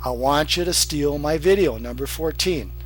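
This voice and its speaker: Noticeable noise fills the background. A man talks through it. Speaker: online marketing trainer. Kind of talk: tutorial. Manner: fast; animated.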